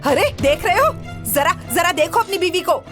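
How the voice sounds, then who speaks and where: A woman's voice: extremely high pitch, expressive, moderate pace, fairly bright tone. An actress playing a quarrelsome old mother-in-law in a comic film scene, wailing and scolding dramatically. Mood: angry. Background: background music.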